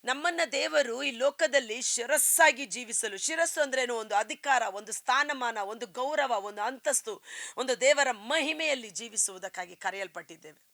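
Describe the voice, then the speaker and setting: Fervent woman preacher with a forceful voice. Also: on the high side, normal speed, no room sound. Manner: fervent preaching, swelling emphasis on key phrases. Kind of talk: Christian sermon.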